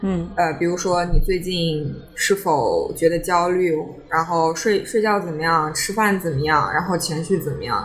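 Fairly even intonation in a room with audible echo, music playing in the background. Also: woman, fairly low pitch for a woman, fairly slow pace. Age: 20s. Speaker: podcast co-host. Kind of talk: casual chat.

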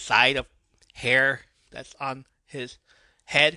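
A man with an American accent, fairly high in pitch, animated, with a bright, sharp tone, in a dry, close sound with no echo over a quiet background. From United States. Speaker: podcast host reviewing movies and wrestling. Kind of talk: solo podcast review, casual. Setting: home recording.

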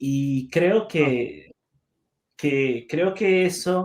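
A man speaks with lively intonation. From Costa Rica. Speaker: missionary. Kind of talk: interview.

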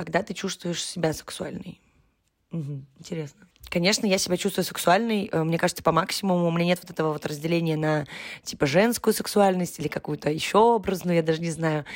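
Over a very clean recording with a silent background, a woman speaks fairly quickly in a fairly low pitch, with ordinary pitch variation. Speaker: obstetrician-gynecologist and podcast host. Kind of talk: recorded monologue answering questions. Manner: loud.

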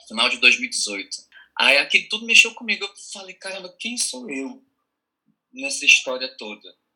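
Talking at a moderate pace, a man pauses long and often while his loudness rises and falls sharply. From Paraíba, Brazil (Brejo interior). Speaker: actor and writer. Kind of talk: interview.

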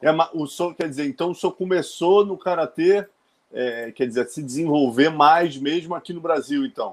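A man's fairly high voice moves at a moderate pace, its pitch varying in an ordinary way. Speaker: podcast host. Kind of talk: interview. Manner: animated.

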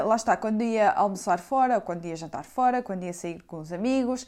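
This woman speaks with a European Portuguese accent at a fairly high pitch. Her tone is dark and mellow, and the recording is very clean with a silent background. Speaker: weight-loss coach podcaster. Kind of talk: solo podcast talk. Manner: halting, many fillers and repetitions.

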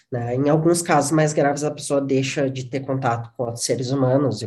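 This man's voice is somewhat breathy. It carries a dark, mellow tone. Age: 30s. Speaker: psychologist and researcher. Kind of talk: interview.

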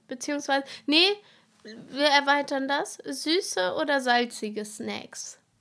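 The woman's voice sits high in pitch. She talks at a very slow pace. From rural Germany, village. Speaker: podcast co-host. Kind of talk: casual chat.

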